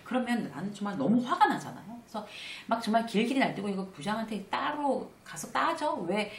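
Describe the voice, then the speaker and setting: A woman's voice: on the high side, brisk. A middle-aged woman giving a casual lecture on workplace life, acting out small dialogues as she goes. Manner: conversational, acts out little dialogues with animated asides. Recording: roomy, slightly distant mic.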